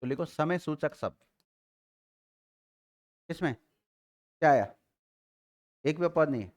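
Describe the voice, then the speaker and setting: A Hindi grammar teacher with a Rajasthani Hindi accent runs a live class, calling on students and making them repeat letters one by one. He speaks very slowly and deliberately. His voice sits a little high for a man. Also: expressive.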